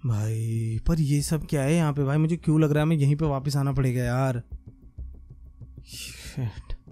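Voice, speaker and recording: A young man commenting on his own gameplay as a gaming creator, muttering as he works and then bursting into excited shouts. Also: mid-range voice, a little slow, no echo, faint music behind. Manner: talks to himself and viewers, swings from muttering to excited shouts. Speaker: gaming YouTuber.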